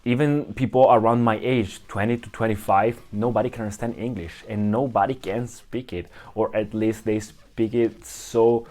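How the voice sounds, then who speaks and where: A man's voice: lowish voice, fairly even intonation, moderate pace, few pauses, a little mellow. A young man from Italy with an Italian accent, talking casually to camera in English, often restarting and searching for words. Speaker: vlogger.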